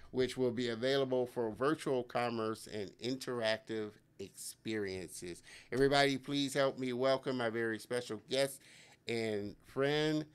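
A man's voice: medium pitch, smooth. Enthusiastic man hosting a live interview. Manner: enthusiastic, repeats words warmly. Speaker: host. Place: home studio with colorful lighting. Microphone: studio mic on boom arm.

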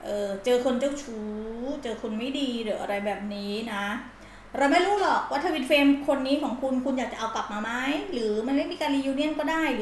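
Tarot reader lady, kinda high voice, blunt slangy and dramatic, echoey room. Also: a little hiss or hum. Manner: dramatic, acts out the listener's feelings in first person. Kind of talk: casual pick-a-card tarot reading. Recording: roomy echo.

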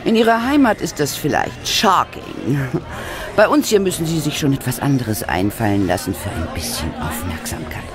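Affected, theatrical film diva for radio drama: haughty, extremely varied intonation. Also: female voice, very deep voice, big pitch swings, moderate pace. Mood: haughty, offended. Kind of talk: German radio play acting. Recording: party crowd and music behind.

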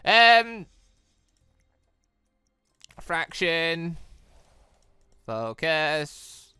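An excitable British gamer rambles through let's play commentary, often breaking off mid-sentence. The voice is recorded close and dry, with music playing behind it. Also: medium pitch, extremely slow, clear, resonant tone, no room sound. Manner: excitable, rambling, self-interrupting. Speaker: gaming video host. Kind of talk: let's play commentary, reading dialogue aloud. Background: game music.

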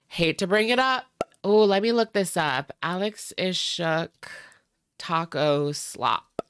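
Low smooth-voiced woman, stuffy and sarcastic. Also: slow, dry recording, studio quality. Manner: sarcastic, chatty. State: stuffy nose. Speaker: reaction video host. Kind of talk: casual commentary.

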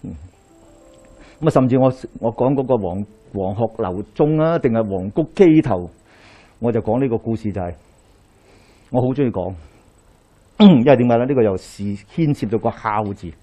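A middle-aged man with a Hong Kong Cantonese accent, a Daoist priest giving a lecture to a live audience, telling stories with lively rhetorical questions as he moves about. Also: mid-range voice, normal speed, long pauses. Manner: animated storytelling with rhetorical questions, pacing while gesturing. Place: small lecture hall indoors, in front of a screen.

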